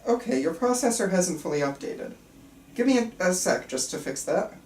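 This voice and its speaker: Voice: mid-range voice, lively intonation, moderate pace, a little mellow, a little hiss or hum, lightly acted. A person reading the part of a chirpy, patronizing psychiatrist at a table read, with breezy, reassuring bedside talk. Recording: roomy, picked up from far off.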